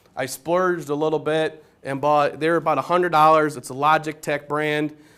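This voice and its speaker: Bright and sharp in tone, a man's fairly high voice moves at a fairly quick pace with monotone, flat intonation. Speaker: teacher. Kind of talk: tutorial.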